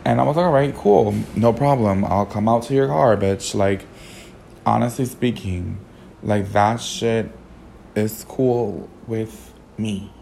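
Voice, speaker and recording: A hoarse young man with a sassy, campy manner, telling a personal story as a podcast host while sitting in a car. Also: fairly low pitch, takes it slowly, a little mellow, slight background noise. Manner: sassy, campy, swears a lot. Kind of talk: casual storytelling monologue.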